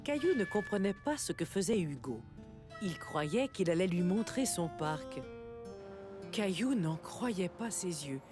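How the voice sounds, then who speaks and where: Lady telling a kids cartoon story, soft and measured, bouncy tone, music behind her. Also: on the low side, big pitch swings. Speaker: narrator. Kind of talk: scripted storybook narration.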